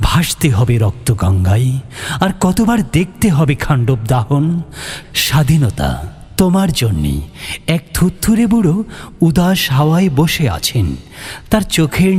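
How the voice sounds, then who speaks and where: Over noticeable background noise, a man with a fairly high pitch keeps his loudness very even while his pitch swings very widely. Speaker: voice artist. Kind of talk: poetry reading.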